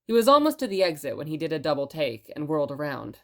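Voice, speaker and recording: Low-voiced woman radio storyteller. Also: sing-song, quick pace. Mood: measured storytelling. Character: chatty, playful radio station host telling stories. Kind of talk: audio drama radio broadcast and scripted narration.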